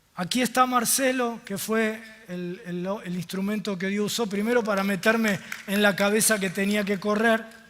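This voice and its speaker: A high-pitched man at a moderate pace, with fairly even intonation and noticeable background noise. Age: 60s. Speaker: pastor. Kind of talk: sermon.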